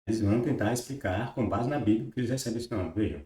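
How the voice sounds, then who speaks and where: A man who reads religious passages slowly aloud, then critiques them in a conversational way, often adding tag questions. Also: fairly low pitch, dark tone. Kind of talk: reading aloud and commenting on scripture. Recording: very echoey room.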